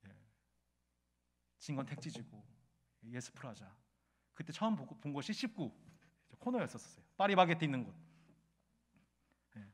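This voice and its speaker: Animated Korean pastor preaching a sermon. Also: male voice, fairly high pitch. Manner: storytelling preacher who asks the congregation questions and surges loud when emotional. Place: church sanctuary.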